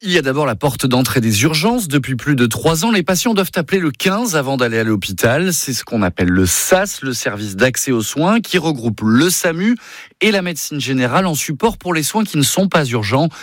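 Man giving an animated news report. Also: on the high side, fairly quick, no room sound, studio quality. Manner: explanatory delivery. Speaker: news correspondent.

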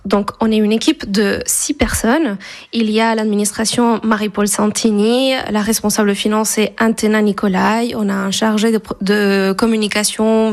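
A woman from Spain in her thirties with a Spanish accent, answering radio interview questions with many fillers and restarts. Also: mid-range voice. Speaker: festival staff guest.

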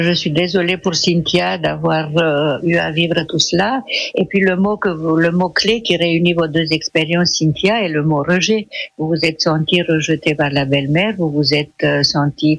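A woman psychologist calmly explaining a caller's experience on a radio show. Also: deep voice, gravelly, breathy edge, dry recording. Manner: calm, measured explanation.

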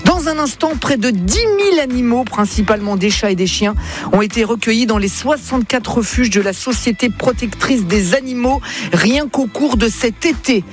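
A man hosting a radio show with lively patter, exclaiming and repeating phrases for emphasis. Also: very high voice, moderate pace, soft background music. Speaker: radio host.

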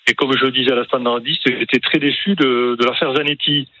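A man's voice: mid-range voice, fairly even intonation, brisk, bright, forceful tone, lo-fi sound. A retired man from southwest France with a southwestern French accent, calling in to a radio game and chatting hesitantly with many ums. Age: older. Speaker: caller. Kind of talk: phone-in chat.

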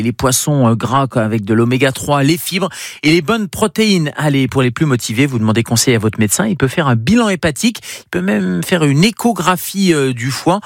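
A man's voice: on the high side, dry recording, studio quality. A man, a doctor, giving a radio health segment in an upbeat, teaching manner. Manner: didactic, upbeat, lists advice.

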